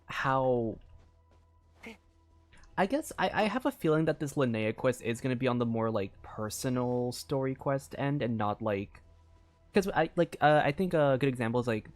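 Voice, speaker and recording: A man's voice: medium pitch, animated, normal speed. A man chatting casually on a gaming live stream, rambling and thinking aloud in a distracted way. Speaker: game streamer. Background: video game music.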